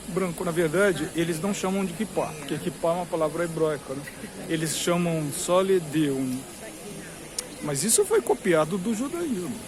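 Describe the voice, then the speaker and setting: A man with a Brazilian Portuguese accent gives rambling, informal commentary as a vlogger, explaining at length and repeating himself for emphasis. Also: fairly high pitch. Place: among a crowd in a queue outside a cathedral. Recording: busy crowd noise with hiss. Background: crowd chatter.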